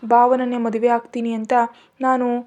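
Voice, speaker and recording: A woman's voice: fairly high pitch, flat delivery, moderate pace, darkish tone, natural voice. A woman voicing a heartbroken young woman who is crying and despairing, in an audio story. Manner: despairing, self-pitying.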